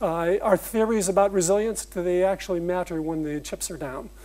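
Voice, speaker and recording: The recording is very clean with a silent background as a man with an American accent talks fairly quickly in a high voice with ordinary pitch variation. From US Midwest, Detroit. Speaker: university researcher. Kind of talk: public lecture. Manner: many filler uhs, some halting repeats.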